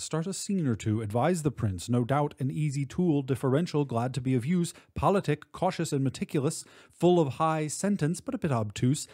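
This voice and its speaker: A man giving an expressive, measured recitation of literary poetry, drawing out words for emphasis. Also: on the high side, dry recording, studio quality. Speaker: poetry reader.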